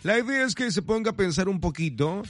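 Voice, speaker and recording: A man's voice: high voice, lively intonation, brisk, faint music behind. A man hosting a morning radio trivia segment, chatty and playful, talking straight to listeners. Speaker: radio host.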